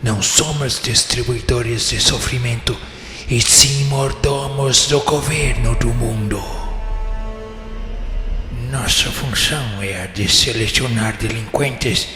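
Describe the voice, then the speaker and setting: Man acting a slow, merciless judge in cavernous reverb. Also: mid-range voice, close to an everyday voice. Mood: solemn, condemning. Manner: pompous, solemn oratorical declaiming. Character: merciless male judge of the dark netherworld, condemning sinners. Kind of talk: radio drama acting. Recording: long cavernous reverb, music behind. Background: music.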